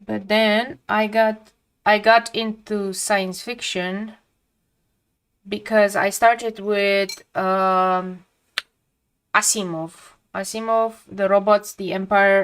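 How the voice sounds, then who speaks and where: A woman's voice: medium pitch, fairly even intonation, slow, fairly bright tone, smooth. A woman from Romania, speaking English as a second language, chatting casually and reflectively while she paints on a live stream, often trailing off mid-sentence.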